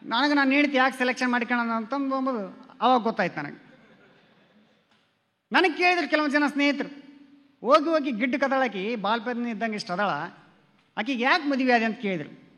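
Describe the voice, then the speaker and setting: High-voiced standup comic in a hall. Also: male voice, a little fast, long pauses, a bit bright. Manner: storytelling, acting out quoted dialogue with his wife. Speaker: standup comedian. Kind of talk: standup comedy routine. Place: stage before a live audience.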